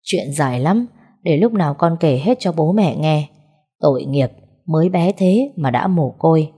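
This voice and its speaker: Woman narrator doing a kind, joking young man, low mellow voice. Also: lively intonation, normal speed, breathy edge. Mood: gentle. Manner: joking, polite to parents. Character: young man, cheeky and caring.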